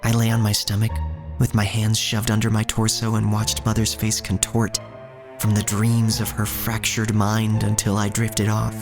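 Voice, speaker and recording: A man playing a solemn narrator who tells of a poor street childhood in measured, scripted audio drama storytelling. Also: fairly low pitch, completely flat delivery, natural voice. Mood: somber, measured. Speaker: first-person narrator. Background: music.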